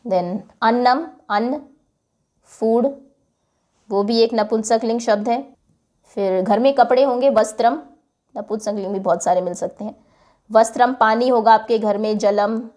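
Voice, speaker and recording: A woman's voice: fairly high pitch, fairly even intonation, a little slow, pauses often, mellow. Patient woman teacher explaining grammar. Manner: patient, repeats each word then gives its meaning; mixes in English words. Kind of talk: classroom lesson explaining Sanskrit grammar.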